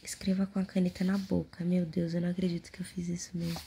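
A Brazilian woman doing casual ASMR in a hushed low voice right in your ear, often slipping into a whisper as she reads aloud and comments offhand. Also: level tone, fast. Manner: murmured reading aloud mixed with offhand remarks. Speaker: ASMR video host. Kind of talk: soft-spoken and whispered ASMR, casual chat. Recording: noisy close home recording, handling clicks.

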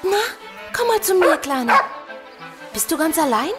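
Woman as a high-voiced, bold orphan girl. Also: big pitch swings, moderate pace. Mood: delighted, tender. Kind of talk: audio drama dialogue. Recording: music behind the voice.

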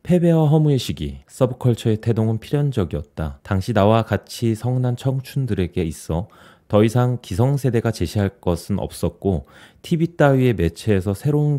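Dark-voiced Korean man in his forties. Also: lowish voice. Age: 40s. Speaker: YouTube host. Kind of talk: reading an essay aloud. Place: small home studio room. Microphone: studio mic on boom, headphones.

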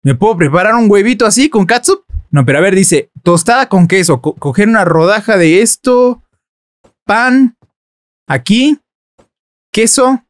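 A man giving playful, joking commentary while playing a game, breaking into squeaky exclamations. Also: lively intonation, measured pace, long pauses, dry recording. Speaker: gaming youtuber. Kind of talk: let's play commentary.

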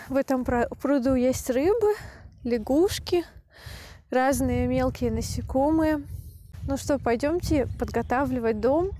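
A young woman speaks slowly and deliberately, her voice high but soft and mellow. She explains things calmly for language learners while filming herself at arm's length. The sound comes straight off a handheld camera, indoors and out. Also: slight background noise. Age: young adult. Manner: calm, unhurried, deliberate explaining. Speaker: language teacher vlogger. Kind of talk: slow, clear Russian for learners. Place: country house and outdoor yard.

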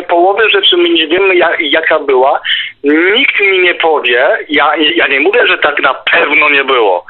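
A man in a heated informal radio discussion, talking bluntly and emphatically and repeating his words. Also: fairly high pitch. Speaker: talk show participant. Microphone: remote call. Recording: narrow tinny phone-line sound.

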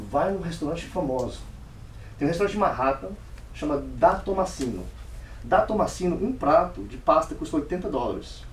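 A man with a fairly high voice tells a lively story as a speech, and his pitch swings widely as he acts out each exchange. He is recorded from a distance in an echoey room, with faint room noise behind him. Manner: animated, acts out dialogue in varied voices. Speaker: speaker giving a club speech. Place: meeting room.

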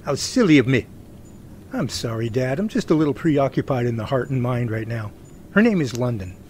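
Man playing a sarcastic young son, animated delivery. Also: medium pitch, normal speed, a little hiss or hum, natural voice. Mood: earnest, flustered. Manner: wordy, teasing, sarcastic. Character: sarcastic, flustered, earnest young adult son. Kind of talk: radio drama acting.

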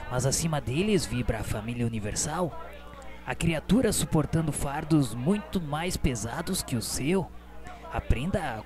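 A man playing a patient, firm spirit administrator in a radio drama, exhorting solemnly in formal, measured words. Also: mid-range voice, natural voice. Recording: music behind the voice.

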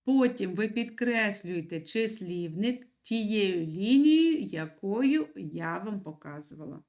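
A woman teacher giving a video lesson to young children, stressing words slowly and clearly with a sing-song lilt. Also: mid-range voice, expressive, darkish tone. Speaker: primary school teacher.

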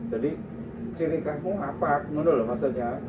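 A man's voice: fairly high pitch, normal speed. A man in casual chat, advising a friend at length on his channel. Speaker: friend giving channel feedback. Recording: roomy, far from the mic, loud noise.

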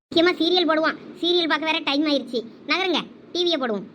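A young woman acting in a village comedy skit, teasing with sharp, quick retorts. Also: high-pitched, a little hiss or hum. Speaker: sketch actor.

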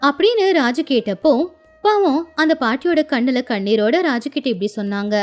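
A woman narrates a children's village tale in a high voice, with music playing behind her. The delivery is scripted storytelling. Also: animated, brisk.

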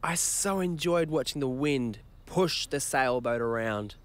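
A woman voicing a young, excitable possum in a children's TV show, full of gasps and wide-eyed delight. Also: extremely low pitch, unhurried. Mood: happy. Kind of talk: scripted children's TV acting.

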